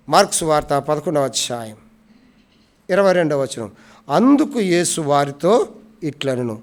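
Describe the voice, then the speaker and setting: A male preacher delivering a sermon in a prayer house, repeating phrases, asking the congregation rhetorical questions and swinging between soft, low lines and loud, raised ones. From India.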